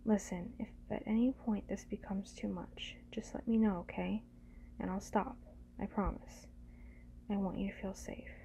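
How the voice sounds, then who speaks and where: A woman playing a doting, teasing lover in an intimate ASMR roleplay, speaking gently and soothingly in a breathy voice that often slips into whispers. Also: mid-range voice, fairly even intonation, normal speed, lightly acted. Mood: gentle, teasing.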